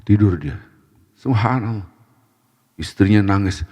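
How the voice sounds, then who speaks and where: A low-voiced male preacher gives a short sermon in a mosque, with his words ringing on in the long reverb of the hall. He tells stories with lively energy, acting out the people in them. Arabic devotional phrases run through his talk. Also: a little slow.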